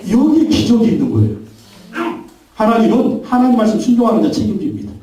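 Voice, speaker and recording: A man's voice: high voice, very animated, quick pace, crowd noise. A man preaching a Sunday sermon as pastor, emphatic, leading the congregation in call-and-response. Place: large church sanctuary. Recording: very echoey church hall, mic at a distance.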